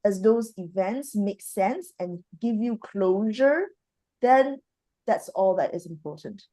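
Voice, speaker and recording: Animated woman in spiritual chat, mellow voice. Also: medium pitch, takes it slowly. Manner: animated, laughs often. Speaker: podcast co-host, healer. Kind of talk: casual conversation.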